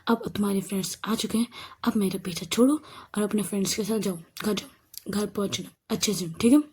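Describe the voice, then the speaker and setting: A woman's voice: mid-range voice, steady tone, a little fast, darkish tone, slight background noise, lightly acted. A woman voicing a strict, reserved female college teacher who speaks curtly and scolds. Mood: stern. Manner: curt, scolding.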